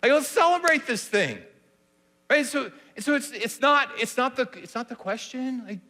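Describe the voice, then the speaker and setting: Male preacher, casual sermon delivery, bright and forceful, lots of questions to the room. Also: very high-pitched, measured pace, long reverb tail. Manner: conversational, rhetorical questions, many "like"s. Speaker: pastor. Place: church sanctuary.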